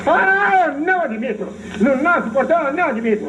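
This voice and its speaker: A man's voice: extremely high pitch, animated, a little fast. An actor playing an indignant, blustering father in an old radio comedy sketch. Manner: blustering, exclaiming. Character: indignant, blustering father guarding his front gate. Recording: distant, faintly noisy old radio recording.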